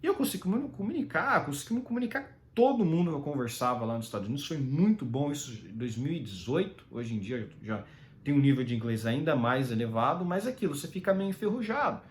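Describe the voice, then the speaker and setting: A man's voice: on the high side, big pitch swings, quick pace, slight background noise. A Brazilian man giving rambling, casual solo commentary, full of fillers and tag questions.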